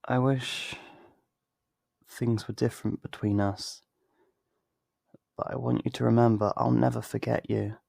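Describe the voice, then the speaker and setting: A man acting in an ASMR roleplay as a tender, wistful best friend, speaking softly and earnestly in an intimate way, close to the mic. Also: mid-range voice, little pitch movement, vocal fry, no room sound. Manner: slow, intimate, earnest, with sighs and pauses. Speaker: ASMR voice actor. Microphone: close studio mic, dry.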